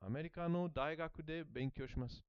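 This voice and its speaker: Man, hesitant, repeats himself, smooth voice, muffled dry recording. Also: on the high side, quick pace, dry recording. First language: German. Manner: hesitant, repeats words while working them out; soft self-conscious laughs. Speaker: language learner. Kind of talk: thinking-aloud study session. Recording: slightly muffled dry sound.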